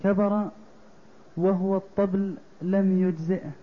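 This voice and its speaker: Flat high-voiced man reciting a text. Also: measured pace. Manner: steady recitation in a fixed cadence. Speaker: student reading the text aloud. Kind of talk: reading a classical text aloud. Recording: tinny phone-like recording.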